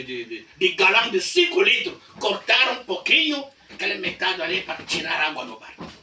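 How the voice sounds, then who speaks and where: Dramatic, high-pitched Brazilian preacher. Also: male voice, slight background noise. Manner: dramatic storytelling that swings between hushed tones and shouts. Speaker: pastor. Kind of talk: sermon. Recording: echoey church heard from a distance.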